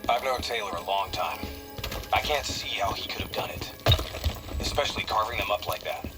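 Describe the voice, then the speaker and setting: Gruff cursing spec-ops guy, man voicing him, voice swings up and down a lot, game score under it. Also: on the low side, expressive, normal speed, loud music behind the voice, natural voice. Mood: grim. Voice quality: curt and profane, sarcastic asides. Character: gruff, blunt male special-ops soldier, short-tempered. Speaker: soldier. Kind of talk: video game cutscene acting.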